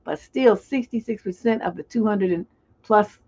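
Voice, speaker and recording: A woman's voice: medium pitch, moderate pace, warm tone, husky. A woman relationship coach hosting a live call-in stream, chatting loosely and reading viewers' comments aloud. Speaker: relationship coach and show host. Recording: dull lo-fi stream audio.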